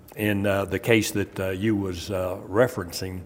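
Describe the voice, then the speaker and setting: Here a man speaks with an American accent at a fairly low pitch. His intonation is monotone and flat. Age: 70s. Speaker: forensic bloodstain expert. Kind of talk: interview.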